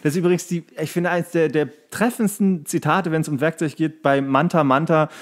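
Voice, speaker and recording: A man's voice: fairly high pitch, steady tone, brisk. A man co-hosting a casual comedy podcast, chatting in a rambling, colloquial way with crude jokes. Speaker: podcast co-host.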